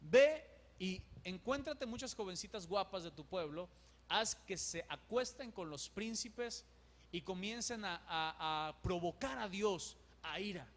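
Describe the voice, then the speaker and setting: Greedy scheming prophet, as a man puts him on; wheedling, high, reverberant. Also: lively intonation, unhurried. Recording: long church reverb.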